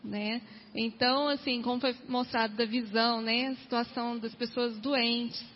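A woman's voice: fairly high pitch, fairly even intonation, moderate pace, slight background noise. Hesitant woman speaking in a hall. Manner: hesitant, many tag questions. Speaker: congregation member. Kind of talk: sharing a reflection at a church meeting. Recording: dull, reverberant hall recording.

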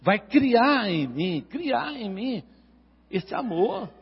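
A Brazilian man preaching in a church, his husky voice sitting fairly high and ringing through a long hall reverb. The recording is dull and lo-fi, and he swings between quiet questions to the congregation and loud, fervent exhortation. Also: very animated, very slow. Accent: Brazilian Portuguese. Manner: preaching, addressing congregation members by name, rising to loud prophetic passages. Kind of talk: sermon.

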